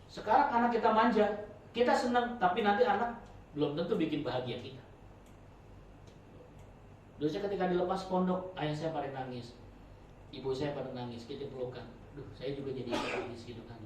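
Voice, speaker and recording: A man gives an informal sermon to a study circle, joking and chatty, his volume rising and falling. His voice sits a little high. He is recorded from a distance in a very echoey prayer room with faint noise behind. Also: fairly quick, long pauses. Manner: chatty and joking, with lively swings between loud and soft. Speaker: ustadz teaching a religious study circle.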